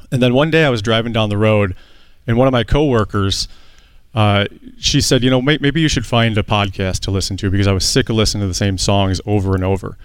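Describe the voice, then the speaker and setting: A man's voice: lowish voice, smooth, no echo. A man in his thirties, a guest on a radio show, telling his debt-payoff story in an earnest, plain-spoken way. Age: 30s.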